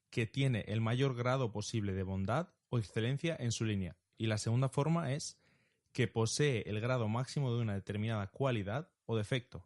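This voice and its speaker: A young man hosting a Christian talk show, welcoming listeners and explaining ideas in a casual, lively chat. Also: mid-range voice. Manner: lively, brisk and explanatory, often tags questions.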